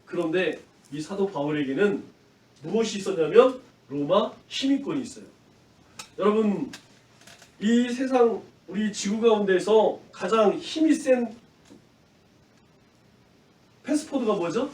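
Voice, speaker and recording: A male pastor giving a lively children's sermon in church, asking the kids questions and acting out shouting crowds. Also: high voice, a little slow, pauses often, recorded from a distance. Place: church sanctuary. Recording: roomy echo from off-mic.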